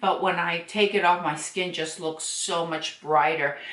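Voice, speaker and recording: Over noticeable background noise, the speaker moves at a moderate pace with fairly even intonation. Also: woman. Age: 60s. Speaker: beauty vlogger. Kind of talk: casual talk to camera.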